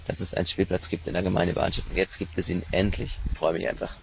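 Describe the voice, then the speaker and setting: A man's voice: low voice, little pitch movement, fast, vocal fry. A man in his twenties, a local political candidate, speaking earnestly in an interview. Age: 20s. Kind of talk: casual interview statement.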